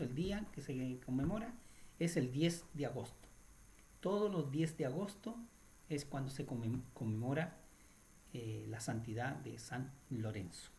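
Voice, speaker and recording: Male Catholic radio host telling stories. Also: mid-range voice. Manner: adds tag questions like "right?", with restarts. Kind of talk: radio catechesis storytelling.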